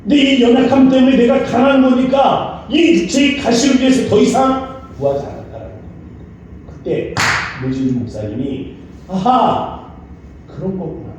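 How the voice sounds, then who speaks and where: A man preaching a sermon with a high, lively voice that swings from loud urgent peaks to hushed asides. His tone is mellow and dark. The church hall echoes heavily and he sits far from the mic. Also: normal speed, slight background noise. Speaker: pastor. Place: church sanctuary.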